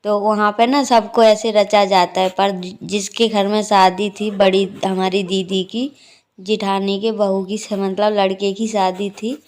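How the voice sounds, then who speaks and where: Filming on a tripod-mounted phone in a dark room at home at night, a young family vlogger narrates casually, laughing as she tells what her kids are doing. She speaks a little slowly in a mid-range, darkish voice that barely moves in pitch.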